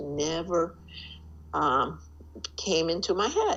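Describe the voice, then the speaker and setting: A woman's fairly low voice with vocal fry, ordinary pitch variation and a very slow pace. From Cuba. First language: Spanish. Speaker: children's author. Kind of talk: interview. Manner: many fillers and hesitations.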